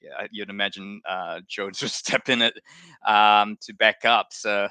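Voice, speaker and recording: Male streamer, low-ish clear voice, dry close sound, chatty and rambling. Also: fairly even intonation, a little slow, sharp tone, dry recording. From Malaysia. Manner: chatty, rambling, self-correcting. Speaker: live-stream host. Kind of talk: casual watchalong chat.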